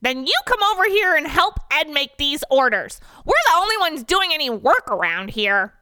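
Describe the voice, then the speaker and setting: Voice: high voice, sing-song, normal speed, sharp tone, dry recording, studio quality, pitched above the performer's own voice, exaggerated voice. A performer voicing a whiny, sarcastic male pizza shop employee in a comic story, drawing out complaints. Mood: sarcastic complaining.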